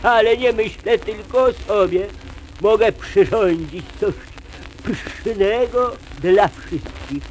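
A man's voice: high-pitched, slow, a little mellow, a little hiss or hum, poor audio. A man voicing a cheerful, playful dragon in a children's musical show, with a bouncy sing-song delivery. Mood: proud, cheerful. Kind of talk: children's musical show acting, spoken and sung. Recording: vintage vinyl children's record with music.

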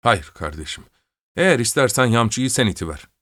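A man's voice: medium pitch, very animated, fairly quick, bright, forceful tone, dry recording, studio quality. A man doing a blustering pompous steward. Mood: gruff. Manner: blustering, barking orders. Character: pompous middle-aged male house steward. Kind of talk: audiobook character voice.

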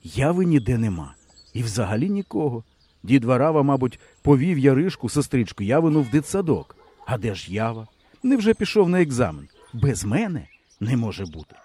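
A man reading a first-person novel aloud with expressive storytelling. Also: mid-range voice, brisk, husky. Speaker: audiobook reader. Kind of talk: audiobook narration.

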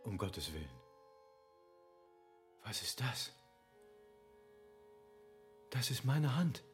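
A man's voice: on the low side, very animated, very slow, soft background music, full character voice. An actor playing a passionate, overwhelmed nobleman in love in a literary radio drama, with breathless, awestruck delivery. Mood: stunned.

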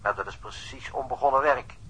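Eager policeman, rapid speech, sharp bright tone, telephone effect, radio drama. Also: medium pitch, slightly rough, low-quality recording. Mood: eager, matter-of-fact. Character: diligent, eager male policeman reporting by telephone. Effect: telephone filter.

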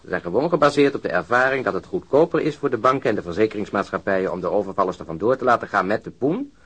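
Casting: sardonic, grumbling police detective for radio drama, heavyset, husky low voice. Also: male voice, animated, fast, a bit bright. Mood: wry, cynical. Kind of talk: naturalistic radio drama dialogue.

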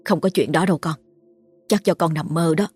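A grieving widowed mother, scared out of her wits but trying to calm her child, her voice low and husky with a tearful, pleading edge, as a woman storyteller puts her on. It sounds like a storybook ghost tale read aloud. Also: normal speed, faint music behind. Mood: soothing.

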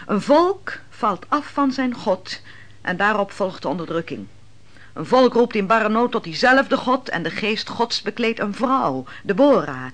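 A woman playing a shrewd, mocking wine server in a radio play, speaking in a measured, didactic and theatrical way. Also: fairly high pitch, close to an everyday voice. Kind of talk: Dutch radio play acting.

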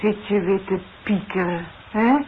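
Grown daughter, female actor, mid-pitched, sharp and protective, scolds and questions bluntly; hissy 1960s radio play sound. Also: steady tone, unhurried, narrow, tinny audio, close to an everyday voice. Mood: suspicious, probing.

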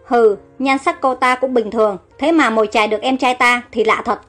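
Cold, scornful princess with a high, commanding voice, read by a woman storyteller. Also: fairly even intonation, brisk, fairly bright tone, faint music behind, close to an everyday voice. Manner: harsh, contemptuous.

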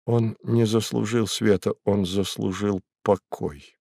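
A man voicing a sorrowful, earnest male messenger who speaks quietly and sadly. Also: lowish voice, steady tone, moderate pace, no echo, clean studio sound, natural voice. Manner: quiet and sad.

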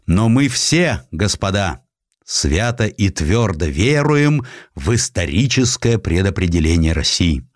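A man voicing a proud, defiant Russian general in an audiobook, orating with patriotic fervour and deliberate, weighty phrasing. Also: deep voice, very animated, no echo, clean studio sound. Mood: solemn, fervent.

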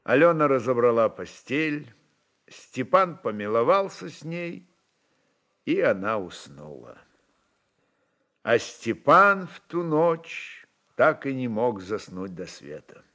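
A man narrating literary prose dramatically, in an expressive, measured manner with deliberate pauses. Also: medium pitch.

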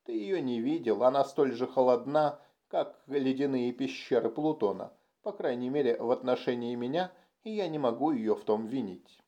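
A man's voice: medium pitch, normal speed, mellow, muffled recording, lightly acted. A man voicing a weary, self-deprecating human adventurer in an audiobook, speaking in a glum, wry way. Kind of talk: audiobook character voice.

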